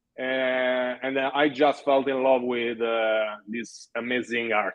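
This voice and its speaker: In an Italian accent, a man speaks at a fairly slow pace and a medium pitch. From Italy, Naples. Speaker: wedding photographer. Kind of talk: casual interview. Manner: halting, many fillers.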